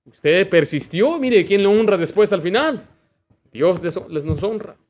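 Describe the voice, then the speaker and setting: A man's voice: high voice, animated, measured pace, darkish tone. A man preaching a sermon as pastor, fervent and full of personal work stories. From United States.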